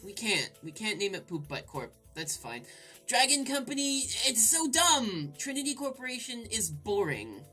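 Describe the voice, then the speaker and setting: A woman let's play host with a bright, very animated voice over faint game music. She slides between reading aloud and irreverent, crude commentary. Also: on the high side, normal speed. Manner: irreverent, crude, jokey asides.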